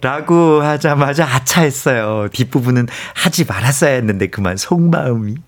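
A man's voice: medium pitch, normal speed. A man reading listener stories aloud on a radio show, acting out their lines and laughing at the funny parts. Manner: animated storytelling with laughing asides.

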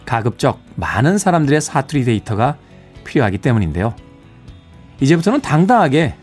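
Man morning radio DJ from Seoul, playful, pitch rising and falling freely, studio mic. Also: husky. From Seoul, South Korea. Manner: lively, playful, chuckles between messages. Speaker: radio show host. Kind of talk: morning radio show, reading listener texts.

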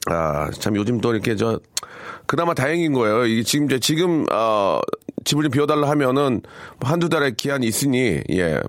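A man's voice: mid-range voice, no echo. A man hosting a live radio call-in show, chatting with a caller and reading out listener texts. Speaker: radio host. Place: radio studio.

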